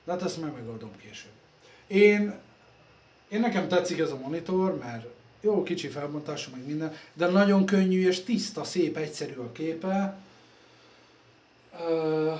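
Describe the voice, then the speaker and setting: A man talking casually while working on computers in his workshop, rambling and self-deprecating, recorded on a phone. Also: on the high side. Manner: rambling, self-deprecating, trailing off softly at phrase ends. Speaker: computer repair vlogger. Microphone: phone camera. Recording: echoey workshop room, faint ambience.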